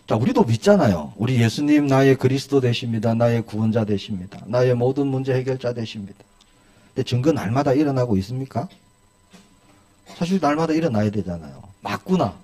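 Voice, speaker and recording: A man's voice: mid-range voice, animated, brisk, dark tone. A male pastor preaching a sermon in a church, asking his congregation one rhetorical question after another.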